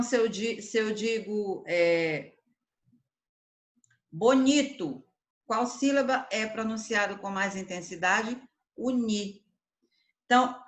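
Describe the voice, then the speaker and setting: A woman teacher walks her class through a grammar lesson, posing questions and answering them herself. Her voice is fairly high and bright. The recording carries the echo of a reverberant room. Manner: explanatory, asks and answers her own questions, frequent "tá?". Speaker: Portuguese teacher.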